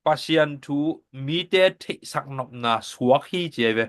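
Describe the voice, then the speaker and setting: Man steadily teaching a Bible lesson. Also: measured pace. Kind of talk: Sabbath School lesson teaching.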